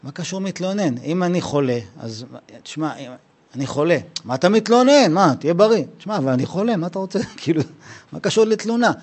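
A man gives a Torah lesson about leaving Egypt in a casual, slangy way. He keeps slipping into imagined dialogues and plays each side himself. His voice sits a little high for a man. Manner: animated, acts out both sides of imagined conversations; slangy, conversational. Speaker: Torah teacher. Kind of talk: Passover lesson with acted dialogue.

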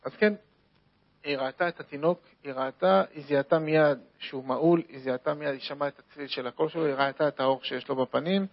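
Man, sermon storytelling, somewhat high voice, dull lo-fi recording, repetitive emphasis. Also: fairly even intonation. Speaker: religious storyteller.

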